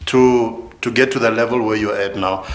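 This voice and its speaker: A man's voice: on the low side, steady tone, normal speed, slight background noise. A man hosting a casual interview talk show.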